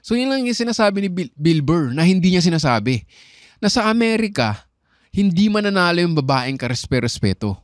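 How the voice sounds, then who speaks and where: A young adult Filipino comedian with a Filipino accent, talking casually on his podcast as he answers a listener's question. He rambles and keeps checking in with "di ba?". His voice sits a little high for a man, and the recording is close and dry with no room sound. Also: very animated, fairly quick, no echo. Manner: chatty and rambling, tagging on "di ba?" and "alam mo yun".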